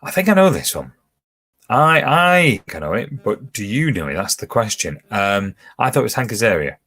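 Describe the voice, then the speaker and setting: Bloke running a pub quiz from home, chatty, voice bouncing up and down a lot. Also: male voice, on the low side, very animated, moderate pace, a bit bright. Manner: chatty, reads questions then answer options aloud. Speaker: quiz host. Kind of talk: live online pub quiz hosting.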